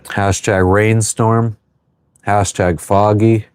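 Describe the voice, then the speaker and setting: A man's voice: on the low side, level tone, slow pace, a little mellow, clean tone, no room sound. A man in his thirties hosting a casual livestream from an anchored sailboat, answering viewer comments offhandedly and swearing freely. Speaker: livestream host. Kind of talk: casual live chat reading viewer comments.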